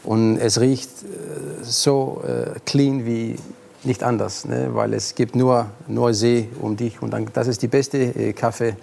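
A man with a Danish accent speaking German as a second language, answering as a talk show guest, halting and searching for words. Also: mid-range voice, level tone, vocal fry, darkish tone. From Denmark. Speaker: actor guest.

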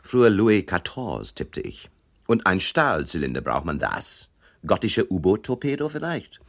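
An actor playing a wisecracking hard-boiled investigator, wry, slangy and offhand, in a radio crime drama. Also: male voice, deep voice, sing-song, moderate pace, creaky, heavily acted. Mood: wry narrating.

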